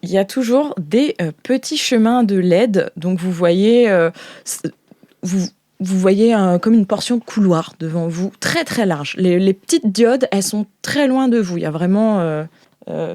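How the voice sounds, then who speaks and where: A woman hosting as game master, narrating an improvised tabletop game in a playful, colloquial, halting way. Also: medium pitch, lively intonation, dark tone, no echo, clean studio sound.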